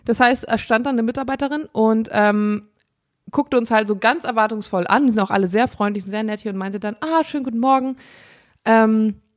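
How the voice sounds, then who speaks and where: Recorded in a hotel room, a woman co-hosting a podcast tells an anecdote in casual chat, acting out the dialogue in raised voices and laughing often. She speaks briskly in a slightly high voice.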